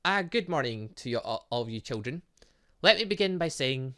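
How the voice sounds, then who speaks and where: A man's voice: mid-range voice, animated, normal speed, sharp tone. A man voicing an eccentric, teasing female science professor who talks in formal, flowery phrases. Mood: greeting. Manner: flowery, formal phrasing full of odd metaphors.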